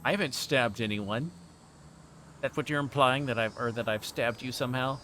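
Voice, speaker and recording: A man's voice: mid-range voice, moderate pace, bright, forceful tone. Man livestreaming, faint background noise. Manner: rambling, joking with viewers. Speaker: livestreamer playing a visual novel. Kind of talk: reading game text aloud mixed with casual stream chat.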